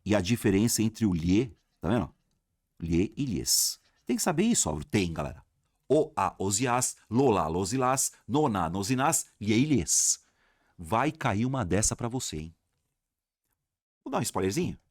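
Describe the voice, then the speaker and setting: A man with a Brazilian Portuguese accent teaching a lively exam-prep grammar lesson, talking straight to his viewers and asking himself questions. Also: on the low side, measured pace, no room sound, clean studio sound. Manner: animated, addresses viewers as "galera", asks himself questions.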